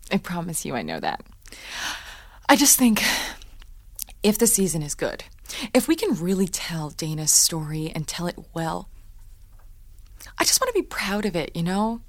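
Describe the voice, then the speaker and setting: A stressed, overworked podcast host, with a lowish voice that rises and falls a lot. She frets and often drops to an intimate hush. The sound is close and dry, like a studio audio drama. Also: very animated, normal speed, pauses often, no echo. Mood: wistful. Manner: stressed, fretful, slips into hushed intimate tones.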